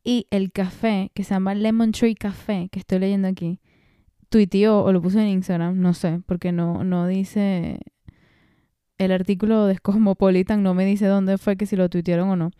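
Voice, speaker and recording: A woman's voice: medium pitch, level tone, moderate pace, dark tone, smooth, dry recording, studio quality. A young woman hosting a chatty, digressive podcast, laughing often as she talks. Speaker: podcast host. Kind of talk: casual chat.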